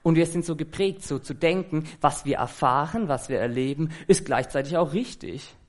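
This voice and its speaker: A man's voice: a little high, animated, moderate pace. A man preaching an earnest, conversational sermon that he fills with rhetorical questions.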